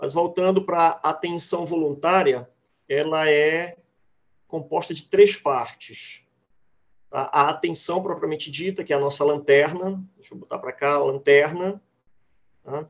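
Fairly slow, fairly even-toned speech from a man with fairly high pitch, big swings in loudness, and long, frequent pauses. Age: 50s. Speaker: hypnotherapist and hypnosis teacher. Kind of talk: lecture. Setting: video call.

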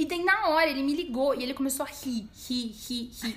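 Using ordinary pitch variation, a woman talks at a high pitch. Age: 20s. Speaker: psychologist. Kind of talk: casual chat.

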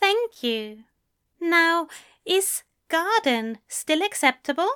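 A woman does a put-on character voice with an extremely high pitch, a fairly bright tone and big pitch swings. She speaks slowly in a very clean recording with a silent background.

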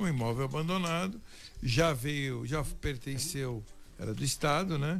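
Speaking at a fairly slow pace, a man with an unremarkable speaking voice has a fairly high pitch that varies in an ordinary way. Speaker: business association president and co-host. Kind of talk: radio interview.

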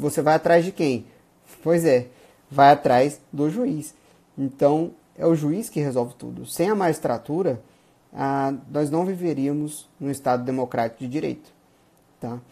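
Speaking at a fairly slow pace with long, frequent pauses, a man uses a dark, mellow tone and ordinary pitch variation. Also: fairly high pitch for a man. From Cuiabá, Mato Grosso, Brazil. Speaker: judge. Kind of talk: live-stream talk to viewers. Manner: casual.

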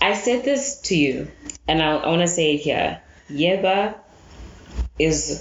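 A woman speaks at a fairly low pitch with lively intonation and very even loudness. Her pace is fairly slow, with long, frequent pauses over noticeable background noise. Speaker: podcast co-host. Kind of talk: casual chat.

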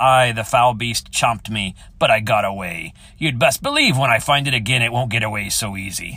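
A man puts on a raspy character voice at a medium pitch. He moves along at a fairly quick pace. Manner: gruff, swashbuckling.

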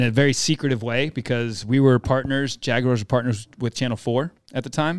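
A normal speaking voice with an American accent on a very clean recording with a silent background. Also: man. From New Jersey. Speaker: former sports mascot. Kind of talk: casual interview.

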